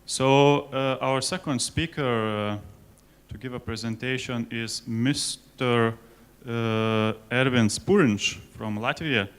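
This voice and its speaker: A man moderating a conference session, polite and slightly halting. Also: mid-range voice, clean tone. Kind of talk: formal moderating. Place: conference hall.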